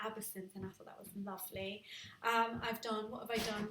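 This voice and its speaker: A woman's fairly high pitch with a British accent and fairly even intonation, over noticeable background noise. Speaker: beauty YouTuber and makeup artist. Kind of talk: live stream chat. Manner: halting, stumbles over words.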